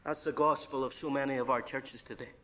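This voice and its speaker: A man with a Northern Irish accent preaching a verse-by-verse sermon. He moves between hushed asides and ringing declarations, and he calls his listeners "friend". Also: medium pitch, steady tone, a little fast. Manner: addresses listeners directly as friend.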